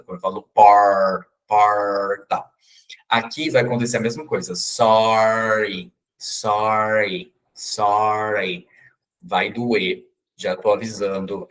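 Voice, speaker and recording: A man's voice: lowish voice, husky. A man teaching an English pronunciation class in a chatty, joking way, explaining sounds step by step. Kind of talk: casual online class.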